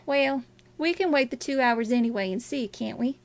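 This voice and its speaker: Woman voicing a cool, high-pitched scheming crook. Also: close to an everyday voice. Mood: reasoning. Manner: persuasive, deliberate, rustic American dialect. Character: Packard, cool calculating male river criminal.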